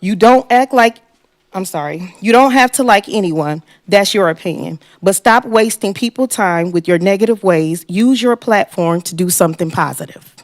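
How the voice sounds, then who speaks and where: A woman's voice: mid-range voice, dry recording, clean studio sound. A woman making a podium speech as a resident at public comment, apologetic and unpractised at speaking in public. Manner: halting, apologetic, self-described inexperienced public speaker. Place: council meeting room, at a podium.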